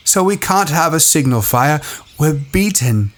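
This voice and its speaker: A man's voice: on the high side, expressive, a little slow, a little hiss or hum, voice pushed up. A man voicing a young boy leader in an audiobook, talking in clipped, bitter bursts. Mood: troubled.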